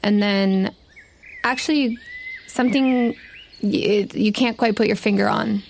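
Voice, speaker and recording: A woman acts as game master for a tabletop role-playing game. Her voice sits at a middle pitch. She improvises descriptions casually, building them phrase by phrase. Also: fairly even intonation, measured pace, vocal fry, a little hiss or hum.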